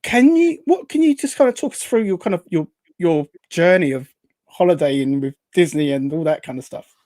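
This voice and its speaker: Host doing a casual live chat, rambly and upbeat, mid pitch, dry close sound. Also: animated, moderate pace, warm tone, no echo. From Essex, England. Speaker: show host. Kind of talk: casual live chat hosting, reading out viewer comments.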